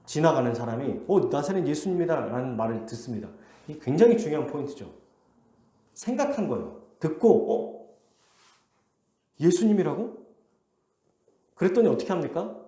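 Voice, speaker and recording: Lively, dark-toned Korean preacher. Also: male voice, mid-range voice, a little fast, reverberant. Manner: animated storytelling, acting out voices in the story; asks the congregation questions. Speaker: pastor. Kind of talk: expository sermon. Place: church sanctuary.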